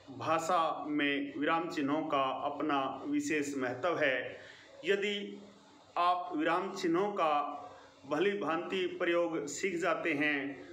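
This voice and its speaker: A man teaching a grammar lesson to schoolchildren in an online video, explaining slowly and stressing key words. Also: sits high, a bit bright, reverberant, slight background noise.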